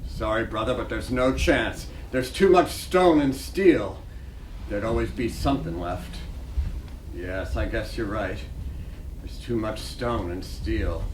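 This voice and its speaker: An actor in a dramatic stage reading playing a detached, idly musing hotel night clerk lost in morbid daydreams. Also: male voice, lowish voice, takes it slowly. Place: library reading room, live reading. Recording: distant, echoey, noisy room.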